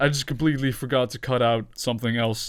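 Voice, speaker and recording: A man speaks with a Dutch accent. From Netherlands. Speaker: gaming youtuber. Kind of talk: gameplay commentary. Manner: halting.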